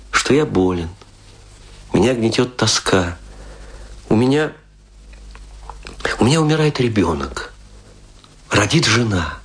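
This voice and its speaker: An actor playing a lonely, embittered, hard-drinking stage actor in a radio play, declaiming theatrically and broodingly with a husky voice. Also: male voice, fairly low pitch, exaggerated voice. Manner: declamatory, brooding, with rhetorical questions and long pauses. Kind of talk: theatrical dramatic monologue, Russian radio play.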